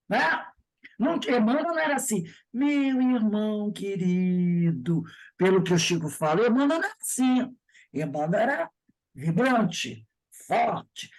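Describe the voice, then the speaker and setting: A woman leads an informal spiritist study class, reading from a book and explaining each passage in her own words. Her voice is a little husky and swings widely in pitch. She keeps asking her listeners "né?" and slows right down to stress the key terms. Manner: conversational, with frequent tag questions. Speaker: spiritist study group teacher.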